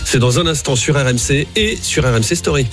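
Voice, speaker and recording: A man hosting a live morning radio news show, briskly announcing segments and handing over to colleagues. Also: medium pitch, lively intonation, over loud music.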